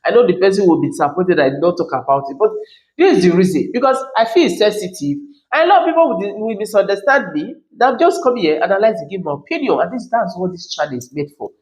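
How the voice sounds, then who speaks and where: A woman with a Nigerian accent talks straight to her viewers, pressing each point and checking again and again that they follow. Her voice is of middle pitch, and the room rings around her with a clear echo. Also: sing-song, quick pace, darkish tone. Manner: emphatic, keeps asking "you understand?". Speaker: commentary channel host. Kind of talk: reaction commentary monologue.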